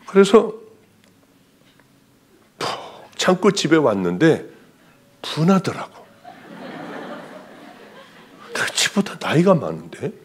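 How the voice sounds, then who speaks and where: A male pastor preaching a sermon, telling a personal testimony with animated storytelling and acted-out dialogue. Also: a little high, slow, pauses often, a little hiss or hum.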